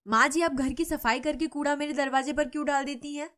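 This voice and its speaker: A spiteful neighbor lady from an animated storybook, loud and accusing, picking fights at every turn, put on by a woman narrator. Her voice rides high and shrill. She needles and scolds in sharp, raised bursts. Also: a little fast. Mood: needling. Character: quarrelsome scheming middle-aged female neighbor.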